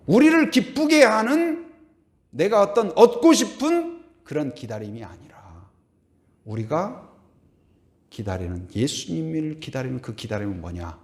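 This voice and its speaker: Animated Korean pastor preaching. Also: male voice, a little high, a little slow. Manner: animated, asks the congregation questions, hums and sings hymn lines. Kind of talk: sermon.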